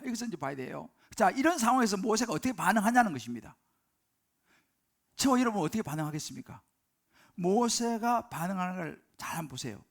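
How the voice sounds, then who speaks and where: Gravelly high-voiced Korean pastor preaching. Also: male voice. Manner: emphatic, rhetorical questions to congregation. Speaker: senior pastor. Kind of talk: live Sunday sermon. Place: church sanctuary during service.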